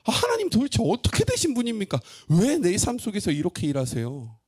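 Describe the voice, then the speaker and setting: A man's voice: high-pitched, wildly swooping pitch, fairly quick, slightly rough, pitched above the performer's own voice, exaggerated voice. A man voicing an anguished male prophet who pleads and protests to God in indignant questions during a sermon. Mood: indignant pleading.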